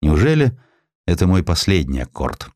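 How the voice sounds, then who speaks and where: A man voicing an aging male perfumer, gentle and wistful, speaking in a soft, unhurried, musing way. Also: deep voice, very animated, dry recording, clean studio sound.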